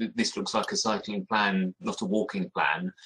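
Speaking with a southern English accent, a man swings his pitch very widely. The background is quiet. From southern England. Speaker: active travel campaigner. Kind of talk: webinar presentation. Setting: video call. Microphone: video call.

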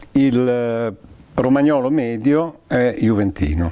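This man's pitch sits in the medium range. It varies in an ordinary way. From Rimini area, Romagna, Italy. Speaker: cultural organizer, oral history interviewee. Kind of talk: oral history interview. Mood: wry, relaxed storytelling. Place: home room. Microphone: lapel.

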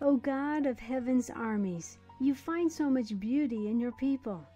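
Over music in the background, a woman with an American accent speaks fairly slowly at a high pitch with ordinary pitch variation. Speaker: voice actor. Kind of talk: scripture reading. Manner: sincere, inspiring.

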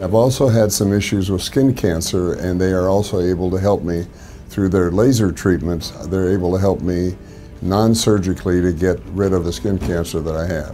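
A man's very deep, low voice with fairly even intonation over music in the background. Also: moderate pace. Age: 70s. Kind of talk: testimonial interview answer.

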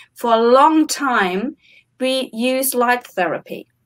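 A woman with a German accent speaks at a high pitch with lively intonation against a quiet background. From Germany. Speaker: chronobiologist, science educator; science educator. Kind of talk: expert interview. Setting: video call. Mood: engaged, explanatory. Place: home room.

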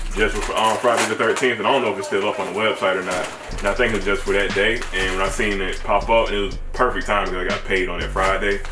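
Over clear music in the background, a man talks at a very fast pace with hardly any pauses. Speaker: clothing haul vlogger. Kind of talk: casual vlog chat. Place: home room.

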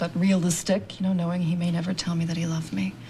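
The speech comes at a very fast pace with monotone, flat intonation over light background noise. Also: woman. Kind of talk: scripted drama dialogue. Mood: earnest, confiding about engagement. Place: studio.

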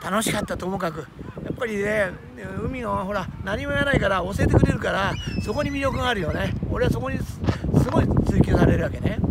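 A man talks at a fairly quick pace. The sound is dry with no echo, but loud background noise runs beneath it. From Fujisawa, Kanagawa, Japan. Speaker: professional surfer. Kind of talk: casual talk to camera. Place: waterside. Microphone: phone near.

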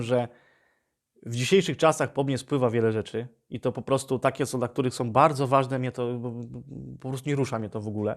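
Over a very clean, silent background, a man at medium pitch talks at a very fast pace with fairly even intonation. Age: 30s. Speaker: gaming YouTuber. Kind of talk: casual vlog monologue. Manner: halting, repetitive.

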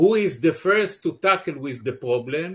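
A man with a high voice talks fairly slowly, and the background is quiet. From Israel. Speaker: panelist, former local government official; panelist. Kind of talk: panel discussion. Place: office. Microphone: video call.

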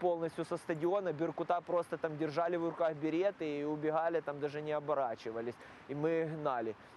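A man talks at a fairly quick pace with fairly even intonation. The sound is dry with no echo, and there is light background noise. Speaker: football ultras fan; interviewee. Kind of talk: interview.

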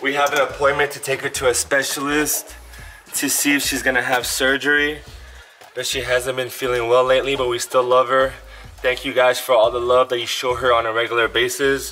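The speech moves at a fairly quick pace with monotone, flat intonation. Faint music plays in the background. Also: man. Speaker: family vlogger. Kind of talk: casual vlog chat. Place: home room. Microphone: camera far.

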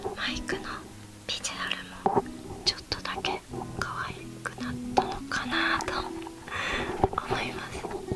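Someone whispers at a fairly slow pace with long, frequent pauses. Music plays in the background. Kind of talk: casual ASMR chat. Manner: whispered.

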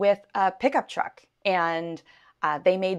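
A woman talks at a fairly slow pace, the background around her quiet. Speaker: vlogger on island living. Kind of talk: casual vlog chat. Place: home room. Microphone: lapel.

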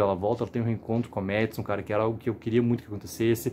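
Light background noise sits behind a man talking at a very fast pace. His tone is dark and mellow. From Brazil. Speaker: YouTube TV-series commentator; TV series commentator. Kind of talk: casual video commentary. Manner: animated. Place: home room.

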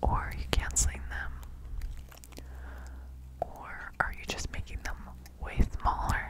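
A soft-spoken woman whispers at a fairly slow pace. Loud background noise fills the recording. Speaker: ASMR creator. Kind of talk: soft-spoken ASMR chat. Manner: soft close-mic whisper. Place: home room. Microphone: studio mic.

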